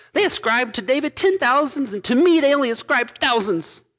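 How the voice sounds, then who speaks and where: A put-on character voice, female-sounding and high-pitched, whiny in tone and whiny throughout. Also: fairly quick pace. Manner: whiny, complaining.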